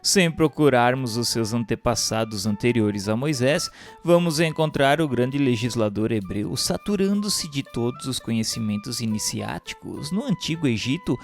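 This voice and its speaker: A Brazilian man narrates in a mid-pitched voice, solemn and formal. He delivers the scripted religious text in a declamatory way, like an audiobook reading, with instrumental music behind him. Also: creaky.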